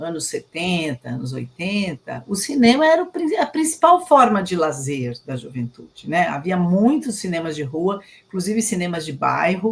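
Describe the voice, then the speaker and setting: At a moderate pace with hardly any pauses, a woman speaks at a medium pitch with very wide pitch swings. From Brazil, São Paulo. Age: 60s. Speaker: communication and education researcher. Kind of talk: radio interview.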